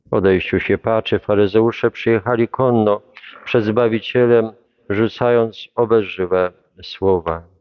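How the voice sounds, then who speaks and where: Slow solemn man reading devotions. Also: on the low side, steady tone, no echo, lo-fi sound. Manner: solemn, measured, reverent.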